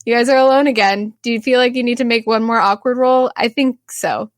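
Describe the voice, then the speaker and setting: A woman's voice: a little high, brisk, crowd noise. A woman hosting as game master, narrating an improvised tabletop game. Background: background music.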